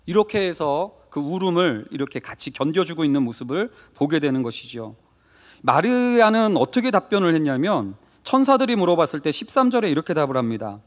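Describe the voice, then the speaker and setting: Lively male pastor in a reverberant church. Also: fairly high pitch, brisk. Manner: conversational, asks the congregation questions; acts out short quoted lines. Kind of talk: Wednesday sermon. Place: church sanctuary. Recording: long reverb of a church hall.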